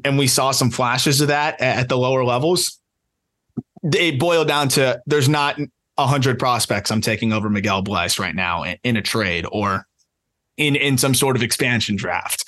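This medium-pitched, slightly bright male voice belongs to a prospect analyst co-hosting a podcast. He talks with energy in a relaxed chat, frequently breaking into laughter and starting sentences over.

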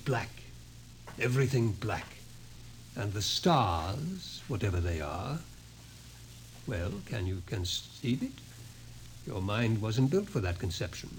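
A man playing a grave, insistent doctor in a 1950s radio drama, lecturing emphatically with an ominous air. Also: mid-range voice. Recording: noisy old 1950s radio recording.

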